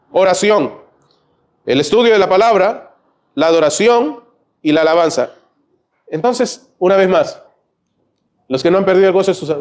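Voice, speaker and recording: A man with a Peruvian Spanish accent preaching a church sermon, peppering his points with quick "¿ve?" and "¿no?" asides to the congregation. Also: a little high, a little mellow. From Peru. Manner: conversational preaching, frequent "¿ve?" and "¿no?" asides. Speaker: pastor. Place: church sanctuary.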